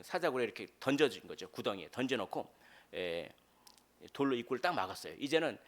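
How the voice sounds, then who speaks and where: A man preaching a midweek sermon as pastor, in a conversational way with fillers, rising to loud dramatic quotations. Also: medium pitch.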